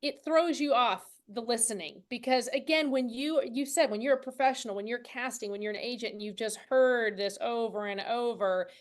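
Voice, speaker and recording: High voiced lady podcast host, gushy casual chat, keeps rewording stuff. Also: moderate pace, hardly any pauses. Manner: effusive, often restarts and rephrases mid-thought. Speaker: podcast host interviewing guests. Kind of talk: casual enthusiastic interview chat.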